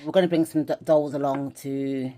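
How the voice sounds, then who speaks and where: Low-voiced english woman chatting about her stuff, rambly, restarts a lot. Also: fairly even intonation, moderate pace, dark tone. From England. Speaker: vlogger. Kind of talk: casual chat, showing dolls and journal.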